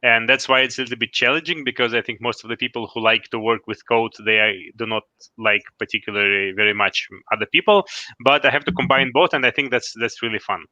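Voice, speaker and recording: A man's voice: mid-range voice, fast, pushed and bright, no room sound, dull audio. A man from Russia, a guest speaker on a video call, chatting casually and hesitantly with many fillers. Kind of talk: casual interview chat.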